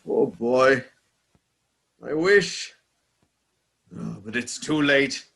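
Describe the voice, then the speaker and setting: An actor in a radio play voicing a miserly old man softened by memories, hesitant and full of feeling. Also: medium pitch, very slow, gravelly, heavily acted. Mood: wistful regret. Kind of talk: dramatic radio play acting.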